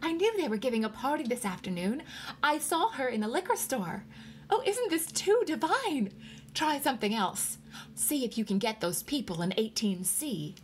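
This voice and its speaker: A woman reader voicing an excitable, anxious wife who exclaims and insists, in an audiobook story. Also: fairly high pitch, moderate pace, voice pushed up. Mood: delighted. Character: excitable young wife, curious and anxious eavesdropper. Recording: clear background noise.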